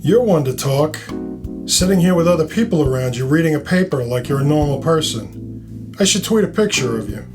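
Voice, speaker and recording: Man acting a higher-voiced wisecracking New York detective. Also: expressive, normal speed, over music, close to an everyday voice. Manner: smartass, blunt. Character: middle-aged wisecracking male New York police detective. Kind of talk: audio fiction character dialogue.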